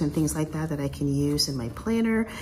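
A woman's very deep, low voice with lively intonation over noticeable background noise. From Canada. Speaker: YouTuber and teacher. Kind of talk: casual vlog tutorial. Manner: animated.

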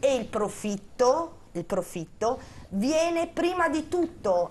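Music plays in the background. A woman talks in a high voice that swings very widely in pitch. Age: 40s. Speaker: mayoral candidate. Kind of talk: televised political debate. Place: studio. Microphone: lapel.

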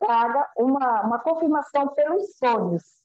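A woman's high voice with lively intonation at a fairly slow pace. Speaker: prospective student asking questions. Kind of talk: Q&A. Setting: video call.

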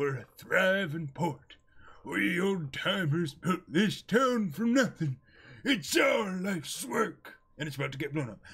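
This put-on character voice moves at a fairly slow pace with very wide pitch swings. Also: man, high pitch for a man. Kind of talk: comic dramatic reading. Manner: passionate, stubborn, growing louder.

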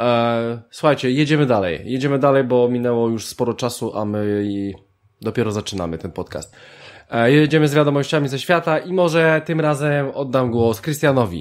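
Using an unremarkable speaking voice, a man at medium pitch speaks at a moderate pace with lively intonation, in a very clean recording over a silent background. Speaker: gaming podcast host. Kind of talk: casual chat. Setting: studio.

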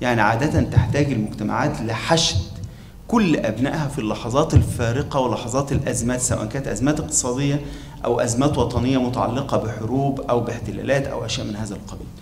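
A man at a fairly quick pace with ordinary pitch variation, audible room echo and light background noise. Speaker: conference panelist. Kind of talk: conference speech. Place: hall. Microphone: podium.

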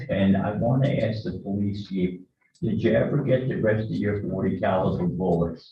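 Vocal fry at a moderate pace with ordinary pitch variation. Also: man, fairly low pitch for a man. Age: 70s. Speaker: public commenter at city council. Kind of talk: public comment at council meeting. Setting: city council meeting.

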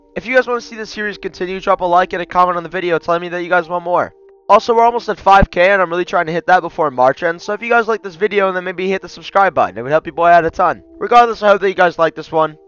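Talking at a very fast pace with hardly any pauses, a man with a high pitch sounds energetic, his loudness swinging widely and his pitch varying in an ordinary way. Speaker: gaming YouTuber. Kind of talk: video intro, casual address to viewers. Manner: casual, energetic.

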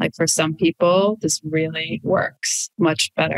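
A woman with vocal fry speaks at a fairly low pitch and a fairly slow pace, with ordinary pitch variation against a quiet background. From Denmark. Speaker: psychologist; guest. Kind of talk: casual chat. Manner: hesitant, with many fillers. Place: home room. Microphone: webcam.

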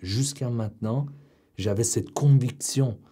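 Over a quiet background, a man with a Persian accent talks at a very slow pace with ordinary pitch variation. His tone is dark and mellow, somewhat breathy. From Iran. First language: Persian (speaking French). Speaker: fitness coach. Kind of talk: interview. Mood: reflective, earnest. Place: studio.

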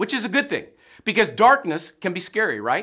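A man's bright, sharp voice with very wide pitch swings, over a quiet background. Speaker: pastor. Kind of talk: sermon. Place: studio.

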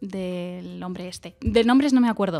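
Against a quiet background, a woman talks in an animated tone with ordinary pitch variation. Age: 20s. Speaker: streamer and multidisciplinary artist; streamer. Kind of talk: casual chat. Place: studio. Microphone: studio mic.

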